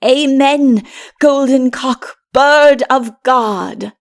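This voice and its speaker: A woman's voice: high-pitched, extremely slow, full character voice. A woman voicing a solemn, exultant fatherly man with declamatory, archaic phrasing in a dramatic audiobook.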